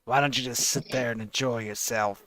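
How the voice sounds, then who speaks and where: A man voicing a mocking man in black who bullies country folk, with a raspy voice. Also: mid-range voice, steady tone, a little fast, crowd noise, natural voice. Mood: sneering. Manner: mocking, condescending. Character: sneering man in black, city thug.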